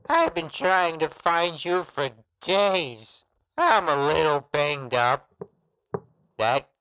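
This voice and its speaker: A woman's voice: sits low, a bit bright, dry recording, heavily acted, rough recording. A woman playing an eerie monster posing as a wounded confidant, taunting and pleading in an audio drama.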